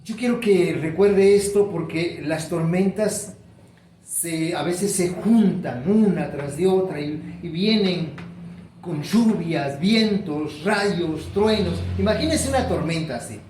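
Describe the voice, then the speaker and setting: Spanish-speaking preacher in an echoey church. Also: male voice, high-pitched, a little mellow, slight background noise. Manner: preaching with rising emphasis and drawn-out stresses. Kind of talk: sermon. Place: church sanctuary.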